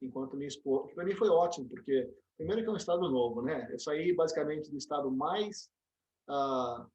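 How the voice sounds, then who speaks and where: A middle-aged Brazilian man being interviewed, telling animated stories with frequent restarts and tag questions. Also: fairly high pitch, brisk, dull audio, slight background noise. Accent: Brazilian Portuguese. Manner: storytelling, animated, many restarts and "né?" tags. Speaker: interview guest, dentist and program director. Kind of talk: casual interview conversation.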